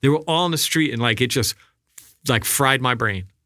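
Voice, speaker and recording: Speaking with a New York accent, a man uses lively intonation and a bright, sharp tone on a very clean recording with a silent background. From US Northeast (Long Island, New York). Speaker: car club and restaurant owner. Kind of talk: casual interview chat.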